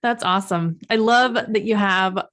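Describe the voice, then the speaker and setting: A woman hosts an interview podcast in an upbeat, encouraging way. Her voice sits in a middle pitch, and she keeps the talk moving with quick affirmations. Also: fairly bright tone. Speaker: podcast host.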